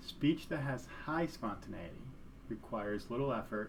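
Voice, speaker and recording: With audible room echo, a man talks at a moderate pace with vocal fry and lively intonation. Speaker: professor. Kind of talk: lecture. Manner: formal.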